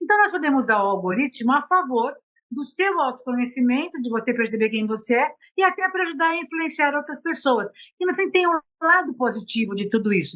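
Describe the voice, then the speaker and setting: Bright, sharp tone with lively intonation at a fairly quick pace. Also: woman. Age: 70s. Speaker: motivational speaker. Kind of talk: interview. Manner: conversational with hesitations.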